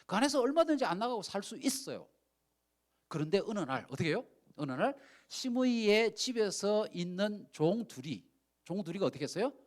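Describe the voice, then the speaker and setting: Animated, high-voiced male pastor preaching. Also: fairly quick. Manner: animated storytelling, acts out quoted speech, asks the audience questions. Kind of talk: sermon.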